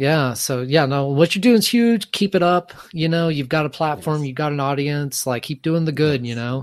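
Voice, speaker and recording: On a very clean recording with a silent background, a man with a fairly high pitch talks at a moderate pace with hardly any pauses and ordinary pitch variation. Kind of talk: casual chat.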